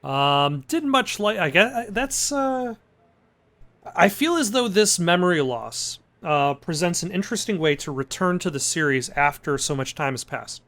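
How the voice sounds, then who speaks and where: A man's voice: high voice, expressive, normal speed, fairly bright tone. A man giving casual gameplay commentary as host, hesitant and thinking aloud as he goes.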